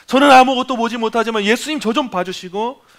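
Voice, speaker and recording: A man's voice: extremely high pitch, fast, fairly bright tone, pitched above the performer's own voice. A man voicing a desperate blind beggar who keeps crying out and pleading to be seen and pitied. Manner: pleading, insistent.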